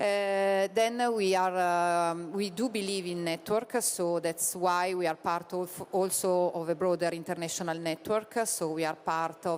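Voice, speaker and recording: With an Italian accent, a woman with a fairly low pitch speaks at a fairly slow pace, with ordinary pitch variation. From Italy. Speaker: president of a packaging industry association. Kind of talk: panel discussion at a conference. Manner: hesitant, many fillers.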